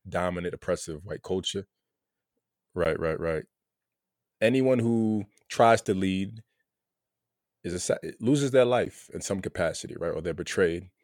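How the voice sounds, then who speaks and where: A Haitian American man talking through his thoughts in a relaxed conversation, often repeating words as he searches for them. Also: deep voice, a little slow, pauses often, dry recording, clean studio sound. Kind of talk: casual conversation.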